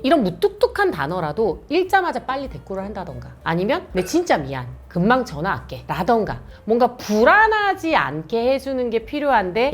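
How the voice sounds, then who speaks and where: A woman with a Gyeongsang Korean accent hosting a casual dating-advice talk, animatedly acting out bits of dialogue. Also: on the high side. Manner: animated, acts out quoted dialogue. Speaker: host giving dating advice.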